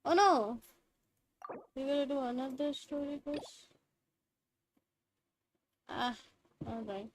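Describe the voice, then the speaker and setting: A young woman with a South Asian accent and a fairly high voice. She is a native Bengali speaker chatting casually to viewers of a game livestream. There is faint noise in the background. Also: slow, pauses often.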